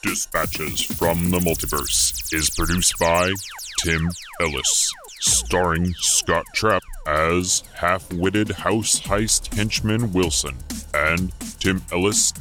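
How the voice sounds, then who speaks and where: A man reading the closing credits of a podcast in a slow, measured way. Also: deep voice. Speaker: show announcer. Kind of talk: read credits. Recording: over theme music.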